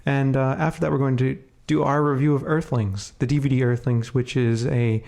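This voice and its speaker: A man co-hosting a podcast in a relaxed, chatty way, sounding congested and sniffly from a cold and leaning on fillers. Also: medium pitch, moderate pace, gravelly. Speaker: podcast co-host. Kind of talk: casual podcast chat.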